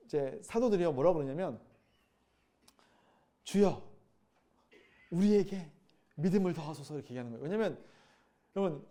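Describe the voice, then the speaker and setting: A man, a pastor, teaching a Bible study in sermon style, animated, often acting out quoted lines in sudden loud, higher bursts.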